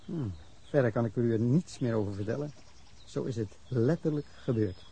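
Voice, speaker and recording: This natural-sounding mid-range male voice is dark in tone and moves at a moderate pace, with a little hiss or hum in the recording. In Dutch radio drama, the actor plays a defensive middle-aged man who gives police an indignant, rambling story of a drunken fight, interrupted by angry bursts.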